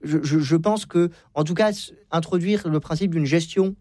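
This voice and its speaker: Guy on a radio debate as a guest historian, keeps stumbling and repeating himself, slightly high voice, dry studio. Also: normal speed, warm tone, no echo. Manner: hesitant, many repetitions and fillers.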